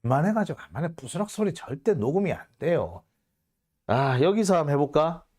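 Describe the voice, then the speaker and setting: Man, host, casual commentary, sarcastic, mocking rhetorical questions, animated pitch. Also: a little fast. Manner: rhetorical questions aimed at the reporter. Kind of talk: casual commentary on a news report.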